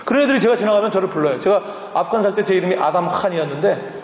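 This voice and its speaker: Man in his fifties, missionary sermon, humorous storytelling, high voice, roomy church echo. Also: animated, rapid-fire. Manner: humorous, acts out voices in quotes. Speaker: missionary preacher. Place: church sanctuary. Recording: echoey church hall.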